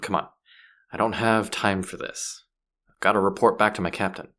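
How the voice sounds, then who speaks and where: A man playing a gruff, sardonic space pirate who is grudgingly softening, in a scripted sci-fi audio roleplay spoken to the listener. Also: fairly low pitch, fairly even intonation, normal speed, lightly acted. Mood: exasperated, defensive. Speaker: voice actor.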